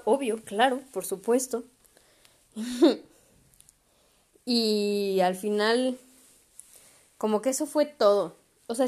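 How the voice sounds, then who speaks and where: A young woman in her twenties with a Mexican accent, hosting a podcast and telling a story casually, chatty and slangy, with frequent swearing. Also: mid-range voice. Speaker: podcast host.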